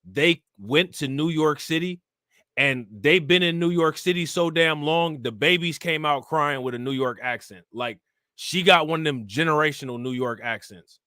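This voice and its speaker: A man's voice: a little high, normal speed, sharp tone, no room sound, studio quality. A man reacting to news clips as a streamer, talking in loose slang and laughing often. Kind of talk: casual commentary.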